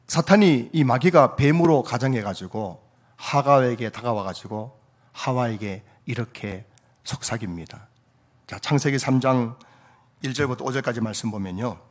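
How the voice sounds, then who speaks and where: A middle-aged man preaching a sermon as pastor, in an animated, emphatic delivery. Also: mid-range voice, moderate pace.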